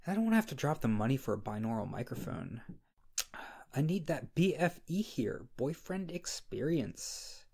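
A man playing a needy, flustered young friend in an intimate ASMR roleplay, speaking softly and hesitantly in a creaky voice. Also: mid-range voice, very animated, full character voice. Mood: sheepish, musing. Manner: hesitant, slow, halting, sheepish. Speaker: roleplay audio creator playing a character. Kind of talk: wholesome ASMR roleplay acting, intimate one-sided dialogue.

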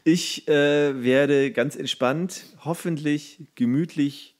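A man's voice: on the high side, slow. A man co-hosting a podcast in casual chat, joking and teasing, laughing at his own jokes. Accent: German. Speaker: podcast co-host.

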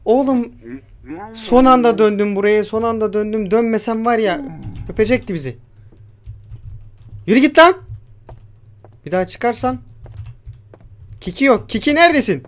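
A man's voice: sits high, normal speed, long pauses. A young man giving casual let's-play commentary on a horror game, jumpy, swearing and talking back at the game's creatures. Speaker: gamer.

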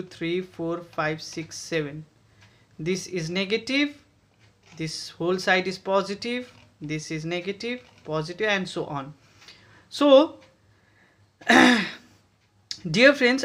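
A man's voice: high voice, sharp tone. A man with an Indian accent explaining step by step how to build a battery pack, switching between Hindi and English, while filming his workbench on a phone. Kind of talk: DIY tutorial. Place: indoor workbench.

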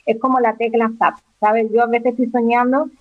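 A woman in her forties with an accent from Spain answers questions as a guest in a casual conversational interview, chatty and often restarting or repeating words. Her pitch is fairly high, her delivery flat and fairly quick. She's on a phone call with a narrow phone line, though there's no echo.

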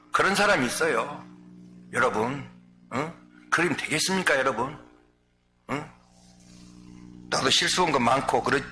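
An older man from Jeolla with a Jeolla Korean accent, preaching a sermon as pastor, swinging from shouts to low asides and often calling out to the congregation. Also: reverberant. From Jeolla, South Korea.

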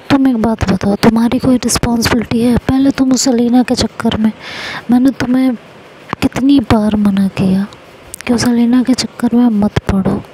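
A woman's voice: fairly high pitch, noisy background, natural voice. A woman voicing a young college student who lectures her partner in an exasperated tone, in an audio story.

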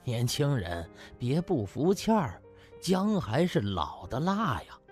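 A man voicing a proud, patient older physician who explains things slowly and deliberately in an audio drama. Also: medium pitch, wildly swooping pitch, darkish tone, faint music behind. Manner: slow, deliberate explaining with pauses.

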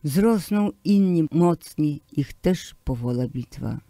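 A man reciting translated poems in a slow, declamatory way, pressing hard on key words. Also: fairly high pitch, lively intonation, vocal fry, warm tone, no room sound. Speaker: poetry reader. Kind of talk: poetry recitation.

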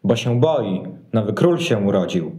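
A man acts a devout Wise Man in a nativity audio drama. He speaks in a fairly low voice, thoughtful and earnest, with quiet hope in his reasoning. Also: animated, measured pace. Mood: matter-of-fact. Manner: earnest, pondering. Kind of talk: amateur nativity radio play.

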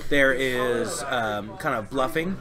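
Male co-host, mid pitch, halting game explainer, noisy crowded room. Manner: hesitant, many ums. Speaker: co-host reviewing a board game. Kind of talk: casual explanation. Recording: loud crowd behind.

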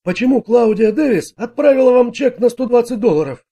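A composed detective who presses his questions politely and without hurry, read by a man. The voice sits fairly high. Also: expressive, fairly quick, warm tone, husky, heavily acted. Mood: steady. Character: calm, persistent male police detective.

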